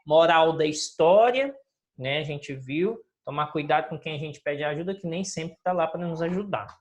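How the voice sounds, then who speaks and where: A woman's voice: sits low, moderate pace. A woman teacher, reviewing a recorded lesson and explaining with questions to her pupils. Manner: explanatory, asks the listeners questions.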